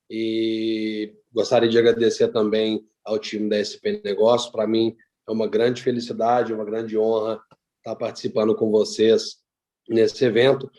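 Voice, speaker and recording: A man speaks with a Minas Gerais accent at medium pitch. His tone is dark and mellow, with monotone, flat intonation at a moderate pace. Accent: Minas Gerais (mineiro). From Minas Gerais, Brazil. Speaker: lawyer. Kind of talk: webinar presentation.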